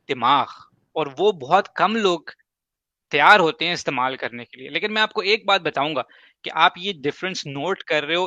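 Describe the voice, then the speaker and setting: A man whose first language is Urdu hosts a casual advice talk. He speaks emphatically and leans on examples and quick asides. His voice is bright and slightly high, recorded dry and a little dull. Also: no room sound. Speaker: host.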